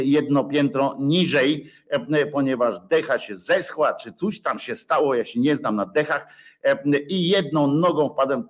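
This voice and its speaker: A man hosting a casual livestream chat, rambling and self-mocking with many filler sounds, sore and bruised. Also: mid-range voice. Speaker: livestream host. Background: dog present.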